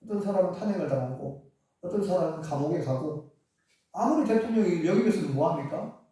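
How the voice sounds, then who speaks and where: A man, a pastor, preaching a sermon in an animated storytelling way with chuckling asides. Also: sits high, fairly quick. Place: church sanctuary. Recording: echoey church hall from far off.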